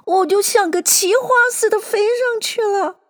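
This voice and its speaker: A woman's voice: extremely high pitch, normal speed, voice pushed up. A woman voicing a small, shaken male lizard telling how he was flung up a chimney, with a quavering voice. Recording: long hall reverb.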